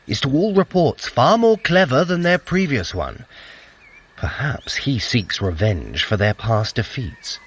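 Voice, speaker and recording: An actor playing a proud, sardonic, scheming trickster god in a scripted audio drama, with dry sarcasm and theatrical formal diction. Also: male voice, medium pitch, fairly bright tone, slight background noise.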